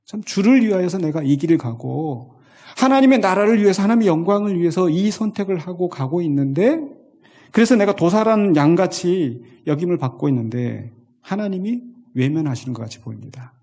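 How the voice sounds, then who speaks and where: Animated Korean preacher, lively voice. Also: male voice, high-pitched. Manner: animated preaching, reads scripture slowly and with feeling. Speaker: pastor. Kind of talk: sermon.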